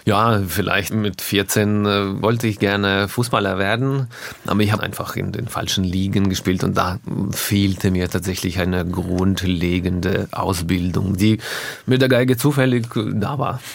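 A man from Russia, a native Russian speaker, talking as a musician guest in a radio interview, thoughtful and often pausing to find his words. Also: deep voice, fairly even intonation, gravelly. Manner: thoughtful, searching for words with pauses.

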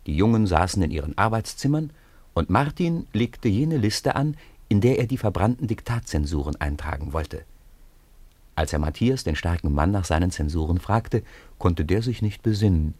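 A man narrating a radio play as a storyteller, speaking to young listeners in a measured, conversational way. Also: low-pitched, animated, darkish tone, no echo.

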